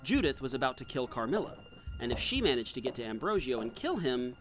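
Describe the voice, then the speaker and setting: Animated man narrating an audio drama. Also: medium pitch, fast, music in the background.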